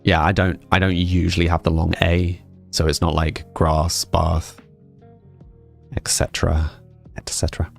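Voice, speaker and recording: A man's voice: low voice, moderate pace, gravelly, faint music behind. A young man with an English accent mixing northern and southern sounds, chatting casually with his stream viewers and reading their messages aloud. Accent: English, mixed northern and southern. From England, with family in Scotland. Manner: relaxed, rambling, answers chat aloud.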